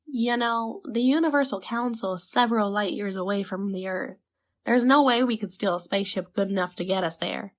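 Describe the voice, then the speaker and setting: A woman's voice: mid-range voice, a little fast, close to an everyday voice. A woman playing a matter-of-fact schemer in an audio drama.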